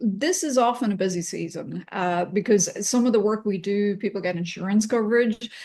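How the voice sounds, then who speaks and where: A woman with a slight Irish accent speaks at a moderate pace in a fairly high pitch, her intonation lively. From Ireland. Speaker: plastic surgeon. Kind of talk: casual interview.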